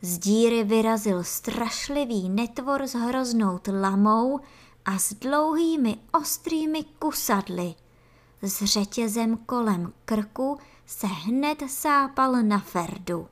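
A woman reading a children's storybook aloud with expressive narration. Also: fairly high pitch.

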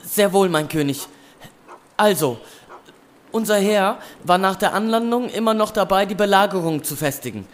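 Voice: medium pitch, lively intonation, normal speed, close to an everyday voice. Casting: actor for a young medieval army lad, humble and eager, formal deferential storytelling, historical audio drama. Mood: earnest. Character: humble, eager medieval army servant boy reporting to his king.

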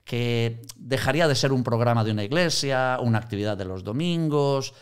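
A man's voice: medium pitch, normal speed, smooth. A man in conversational teaching on Christian mission, telling anecdotes and acting out quoted voices. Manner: animated storyteller, acts out quoted voices.

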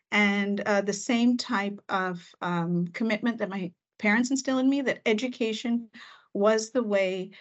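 A woman school administrator telling her story in a panel discussion, reflective and unhurried with occasional fillers. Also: fairly high pitch. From Canada. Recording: muffled, lo-fi audio.

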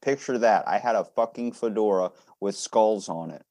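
A man's voice: lowish voice, moderate pace, no room sound. A man chatting casually on a podcast, blunt and sweary, acting out quotes as he tells stories. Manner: profane, blunt, animated storytelling with acted-out quotes.

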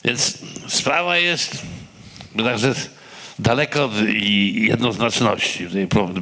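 Man, lowish bright voice, heavy stammer, halting panel remarks, long hall reverb. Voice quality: pronounced stammer, repeating syllables. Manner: halting, hesitant. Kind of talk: spontaneous remarks at a public discussion.

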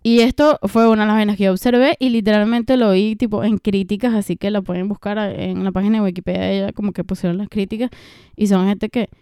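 A woman's voice: medium pitch, fast, clear, resonant tone, no echo, clean studio sound. A young woman who chats casually and rants about a TV series, swearing freely as she goes. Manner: animated, ranting, swears freely. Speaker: vlogger reviewing a TV series. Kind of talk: casual chat.

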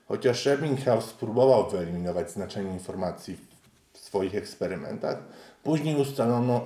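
A man giving a scripted, measured explanatory narration for an educational video. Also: fairly low pitch, mellow. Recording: roomy echo.

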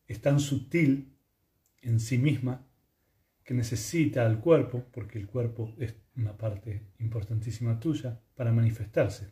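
A man with a Rioplatense Spanish accent giving a calm, unhurried yoga lesson, speaking gently with pauses. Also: mid-range voice. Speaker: yoga teacher. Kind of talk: reflective spoken lesson.

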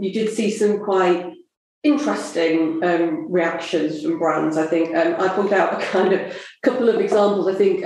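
A woman with a southern English accent co-hosting a casual marketing chat, talking with frequent fillers and pauses. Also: fairly low pitch, a little mellow. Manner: hesitant, many fillers. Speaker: podcast co-host. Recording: echoey room.

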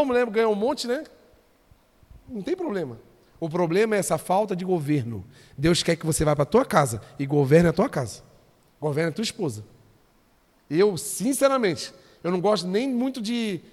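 A man preaching as a pastor, joking and calling out to the congregation. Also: high-pitched. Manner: conversational, joking, calls out to the congregation. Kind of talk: sermon. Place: church hall. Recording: long reverb of a church hall.

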